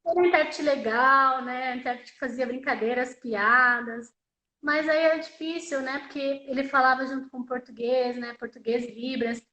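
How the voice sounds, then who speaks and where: A woman's voice: high voice, fairly even intonation, moderate pace, bright, forceful tone. Woman voicing for a deaf signer, chatty, lots of tag questions, echoey room. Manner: conversational, with frequent tag questions and repeated phrases. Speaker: interpreter voicing a deaf signer in first person. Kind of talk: live spoken interpretation of a personal story.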